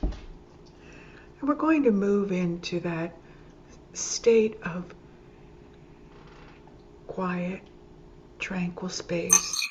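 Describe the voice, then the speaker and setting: A woman teaching yoga nidra, leading a guided meditation calmly and gently, in short phrases with pauses between them. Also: lowish voice. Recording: dull lo-fi sound with clear background noise.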